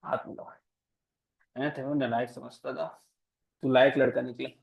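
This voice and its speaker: A man's voice: mid-range voice, flat delivery, moderate pace, vocal fry, muffled recording. A man teaching commerce in a classroom, playful and teasing, quizzing his students with speech. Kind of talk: classroom lecture.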